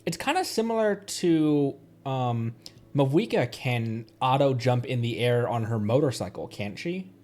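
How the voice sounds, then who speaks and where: A man's voice: mid-range voice, lively intonation, measured pace, a little mellow. A man giving casual, rambling gameplay commentary as a livestreamer, thinking aloud and often questioning himself. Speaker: game livestreamer. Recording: game music behind the voice. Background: video game music.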